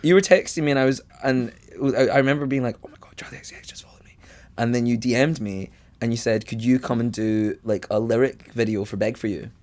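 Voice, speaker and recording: A man's voice: mid-range voice, steady tone, quick pace, a little mellow. A Scottish man in his thirties co-hosting a podcast, telling stories in a playful, self-mocking way. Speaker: podcast co-host. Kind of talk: casual chat.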